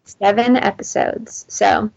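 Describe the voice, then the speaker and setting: A young woman guest on a podcast, soft-spoken with a soothing, slightly girlish voice. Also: mid-range voice, steady tone, takes it slowly, vocal fry, lo-fi sound. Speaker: podcast guest, co-host of another show. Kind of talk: casual podcast interview.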